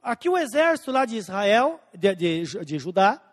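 A man preaching a sermon as pastor, slowing down and stretching out scripture quotes, swinging between emphatic and hushed lines. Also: high voice, sing-song. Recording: long hall reverb.

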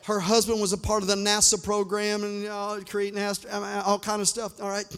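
High-voiced male pastor, fervent sung-and-shouted sermon style, long reverb of a church. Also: monotone, brisk, clean tone, soft background music. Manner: calls on the congregation for responses. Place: church sanctuary.

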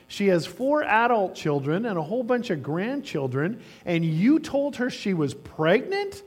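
A man's voice: fairly high pitch, wildly swooping pitch, measured pace, husky, exaggerated voice. A man voicing an exasperated older male doctor who scolds in an incredulous, rising tone.

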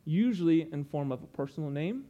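An earnest young man delivering a sermon, his voice sitting a little high for a man. He explains patiently, like a teacher walking a congregation through a lesson, with frequent asides. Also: expressive, brisk, mellow, highs cut off. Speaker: preacher.

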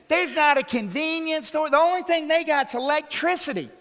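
A man preaching a sermon, telling stories in an animated, jokey way. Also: very high voice, normal speed. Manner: animated, jokey anecdotal delivery. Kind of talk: humorous sermon storytelling. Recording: long reverb of a large hall.

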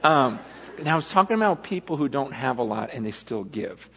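A man's voice: mid-range voice, sing-song, brisk, a bit bright, husky. A man preaching a sermon as pastor, telling personal stories in a loose, self-interrupting way that loses its thread and circles back. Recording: long reverb of a large hall.

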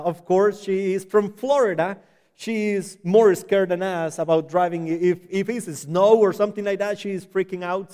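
A man in his thirties from Nicaragua, a Spanish native speaker with a Spanish accent, preaching in halting English with frequent restarts. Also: high-pitched, dark tone, smooth. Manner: halting, self-correcting second-language English. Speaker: visiting missionary preacher. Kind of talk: sermon with personal introduction. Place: church sanctuary. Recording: large hall with long reverb.

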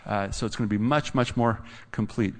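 A man's voice: lowish voice, steady tone, fairly quick. A man, a pastor, making casual announcements from the pulpit with teasing asides to a guest. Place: church sanctuary. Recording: long church hall reverb.

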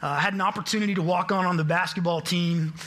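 A man's voice: sits high, steady tone, fast, fairly bright tone. A man in his late twenties from Kansas, a guest preacher giving an upbeat, joking sermon to a church congregation. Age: late 20s. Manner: upbeat, self-deprecating, joking. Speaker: guest preacher, college admissions staff. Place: church sanctuary.

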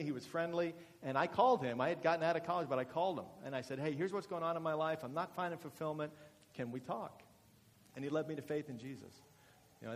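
Guy in his 40s telling his church testimony, kinda high voice, lots of uh and restarts, big echoey hall. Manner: chatty and self-deprecating, with frequent fillers and restarts. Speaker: guest speaker at a church. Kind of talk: testimony talk to a congregation.

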